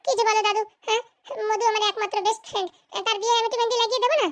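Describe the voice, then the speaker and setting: A woman's voice: very high voice, fairly even intonation, very fast. A woman voicing a pert, insistent young married granddaughter in a comic cartoon. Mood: bossy, impatient.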